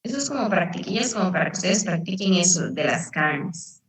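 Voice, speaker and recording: Her voice fairly low, expressive and brisk, a woman teaching English patiently walks her class through a lesson and quizzes them. She repeats things and keeps asking the students questions, recorded from afar in an echoey space.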